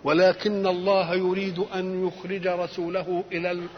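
A man's voice: high voice, flat delivery, moderate pace, big-room sound, dull audio, a little hiss or hum. An older man with an Egyptian Arabic accent giving a Quran commentary lecture, who keeps asking rhetorical questions and answering them himself. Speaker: religious scholar.

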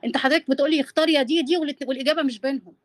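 Egyptian lady in her 40s debating, talks super fast, high voice, keeps insisting she gets to finish. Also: no echo. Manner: insistent, asking to be allowed to finish. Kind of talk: informal live debate.

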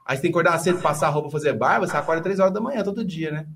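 A man's voice: a little high, vocal fry, fairly bright tone, a little hiss or hum. A man, a police officer, telling stories from his training in slangy, casual podcast chat. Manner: rapid, slangy storytelling.

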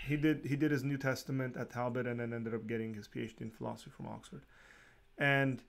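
A man hosting a casual interview, talking in a relaxed, rambling way with frequent restarts and small laughs. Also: medium pitch, fairly quick, creaky, a little hiss or hum. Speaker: podcast host.

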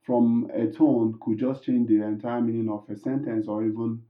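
A man whose first language is Igbo, patiently explaining words and tones in a casual language lesson, often pausing with um and uh. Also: mid-range voice, level tone, reverberant, narrow, tinny audio. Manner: explains patiently with many ums and restarts.

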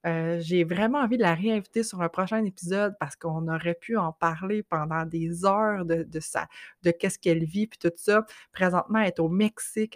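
A woman's voice: mid-range voice, dry recording. Quebecoise woman hosting a podcast, gushing and upbeat, dry close sound. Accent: Quebec French. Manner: effusive, enthusiastic. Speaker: podcast host. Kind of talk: casual podcast interview.

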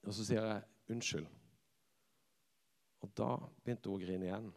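A man, a church youth leader telling a personal story in a sermon, swinging from lively to hushed. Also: fairly low pitch, creaky. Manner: lively storyteller who acts out quotes and drops to hushed tones. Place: church hall. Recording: long reverb of a church hall.

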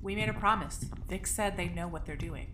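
A woman's voice: lowish voice, a little fast, noisy background, natural voice. A woman playing a defiant, fiercely loyal young prisoner in an audio drama, blunt and impassioned. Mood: subdued. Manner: blunt, foul-mouthed, impassioned.

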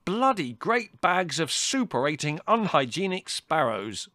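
A man's voice: on the high side, big pitch swings, measured pace, pushed and bright, no room sound, voice pushed up, full character voice. A man voicing an outraged, pompous young Englishman in a storybook, bellowing with theatrical indignation. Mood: bellowing, disgusted.

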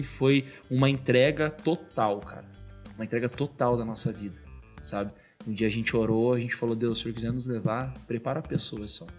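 A young man with a Brazilian accent, telling a personal faith story in casual chat and peppering his talk with "cara". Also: medium pitch. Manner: fast, fills speech with "cara". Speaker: guest. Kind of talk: casual testimony.

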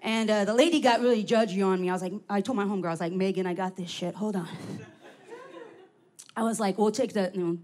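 A woman's voice: mid-range voice, quick pace. A woman doing a brash, profane stand-up set into a handheld mic. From Los Angeles. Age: 40s. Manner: brash, profane, loud punchlines. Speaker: stand-up comic.

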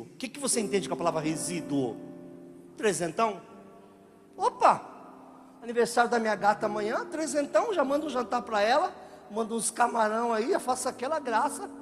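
A man with a Brazilian Portuguese accent preaching a sermon as a joking, animated story, acting out the dialogue as he goes. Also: extremely high pitch, brisk. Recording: reverberant hall with music behind.

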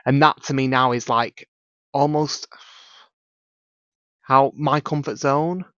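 A man's voice: mid-range voice, fairly even intonation, takes it slowly, fairly bright tone, dry recording. A young adult man with a Northern English accent co-hosting a podcast, blunt, opinionated and teasing. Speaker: podcast co-host. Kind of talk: casual chat. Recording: dry, slightly dull podcast mic.

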